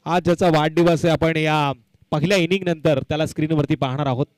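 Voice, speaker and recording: A man's voice: a little high, fairly even intonation, quick pace, no echo. A man giving live commentary and announcements at a local cricket tournament, emphatic and fond of repeating phrases for effect.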